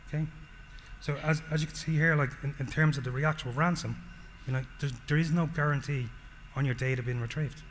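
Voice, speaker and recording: An Irish man giving a technical presentation, explaining step by step and often checking in with the audience. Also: fairly high pitch. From Ireland. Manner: explanatory, frequent "okay?" check-ins. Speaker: solutions engineer presenting. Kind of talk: conference presentation. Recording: long hall reverb, faint noise.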